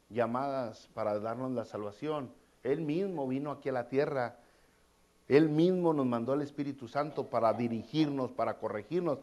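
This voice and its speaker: A man's voice: medium pitch, a little mellow. A male pastor, preaching a sermon in a conversational way, with casual asides and repeated phrases.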